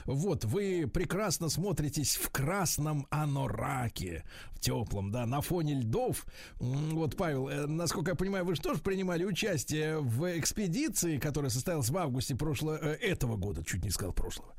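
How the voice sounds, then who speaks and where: A man's voice: fairly high pitch, normal speed, dry recording. A man hosting a radio morning show, chatty and playful as he interviews a guest. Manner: lively, chatty, playful asides. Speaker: radio host.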